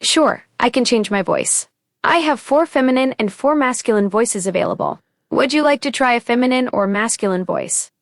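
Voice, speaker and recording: A woman's voice: fairly high pitch, normal speed, dry recording, clean studio sound. A synthetic female voice assistant answering politely and evenly. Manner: polite, even, helpful phrasing.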